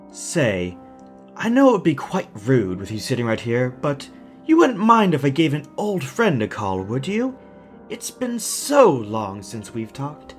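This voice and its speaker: A man playing a suave psychopathic villain in an audio drama, courteous and mock-polite, with a faint German accent. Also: medium pitch. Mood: mock politeness. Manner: courtly, mock-polite, teasing tag questions. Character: suave, theatrical psychopathic villain, serenely pleasant kidnapper.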